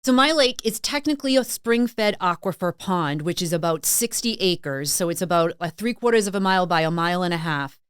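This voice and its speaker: Woman, middle-aged, podcast guest, chatty storyteller, lowish voice, dry close sound. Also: lively intonation, a little fast, few pauses, clean tone, no room sound. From Massachusetts and Maine, USA. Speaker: podcast guest, sales consultant and author. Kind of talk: casual interview chat.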